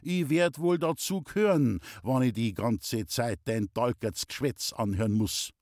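A man reading an audiobook, voicing a gruff older pipe-smoking man in a Bavarian accent, blunt and grumbling. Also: medium pitch, unhurried, a little mellow, dry recording, studio quality.

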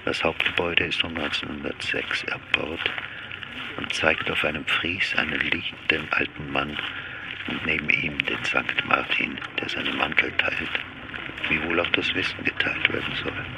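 A man narrating a literary radio play in a calm, measured way. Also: a bass voice, gravelly, very noisy.

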